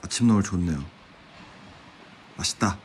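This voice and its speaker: A man's voice: low voice, slight background noise. A young man from Korea with a Korean accent, chatting in broken English on his travel vlog. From South Korea. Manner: broken English, laughs at himself, quick chatty asides. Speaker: travel vlogger. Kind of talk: casual chat. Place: outdoor seaside café terrace at night. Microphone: action camera, no separate mic. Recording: loud music over the talk.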